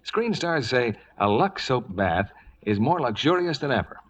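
A man's voice: medium pitch, very animated, a little slow, fairly bright tone. A man announcing in a scripted 1940s radio advertising style. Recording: muffled vintage radio recording.

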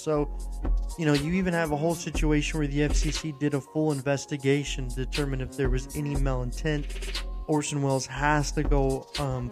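Casual American male host, music behind. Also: a little high. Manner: informal, rambling, emphatic. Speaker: podcast host. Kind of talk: casual commentary to listeners.

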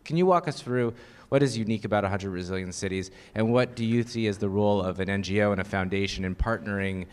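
A man moderates a panel in a lowish voice. He graciously introduces speakers and leads into his questions. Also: fast talker, clear, resonant tone.

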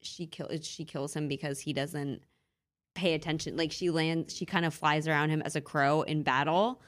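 A woman with a slightly low voice talks through old legends in a loose, chatty way. She stumbles, restarts and giggles as she goes, and fills her sentences with "like". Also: steady tone, normal speed. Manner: chatty, many fillers, giggly. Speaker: podcast co-host. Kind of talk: casual chat about mythology.

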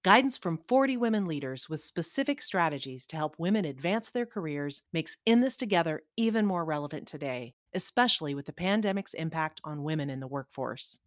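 Woman, ad voice-over, slightly low, dry close studio sound, promotional. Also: animated, fairly quick, hardly any pauses, no room sound. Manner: polished, promotional. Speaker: ad narrator. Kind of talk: scripted commercial read.

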